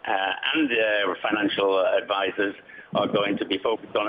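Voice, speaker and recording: A man speaking as a company executive on a conference call, answering questions in a formal, measured, hesitant way. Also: on the low side, a little hiss or hum. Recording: muffled conference call line.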